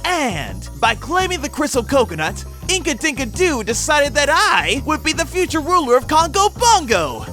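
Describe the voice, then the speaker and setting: A man's voice: very high voice, big pitch swings, normal speed, few pauses, bright, forceful tone, faint music behind, heavily acted. A man playing a cocky, boastful young gorilla who is full of himself, in an audio drama. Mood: proud. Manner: boastful, self-important. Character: cocky, boastful young male gorilla, would-be island ruler. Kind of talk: audio drama character acting.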